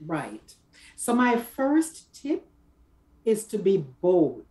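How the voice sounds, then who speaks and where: Career coach guest: woman, middle-aged, medium pitch, measured and emphatic, conversational, on a video call. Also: very animated, warm tone. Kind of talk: conversational advice in an interview. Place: small office, indoors.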